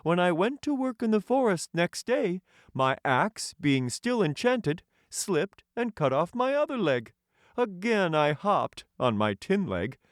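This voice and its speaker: A proud storybook tin emperor, speaking very high with a lilting, swooping delivery. He is courtly and self-satisfied, and words everything formally and grandly, as in an audiobook fairy tale. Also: smooth, no echo, studio quality. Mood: earnest, cheerful. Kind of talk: audiobook character voice.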